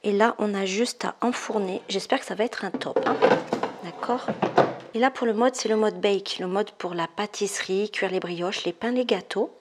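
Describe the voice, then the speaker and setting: A woman's voice: medium pitch, normal speed, a little hiss or hum. A woman hosting a casual cooking video, chatty and self-amused, often dropping her voice to a murmur.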